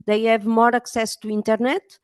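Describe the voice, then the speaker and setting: A Portuguese-accented woman speaking English as a second language, a journalist giving a halting conference talk full of fillers. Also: a little high, little pitch movement, clean tone, no room sound, studio quality. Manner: hesitant, many pauses and fillers. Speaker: journalist and editor.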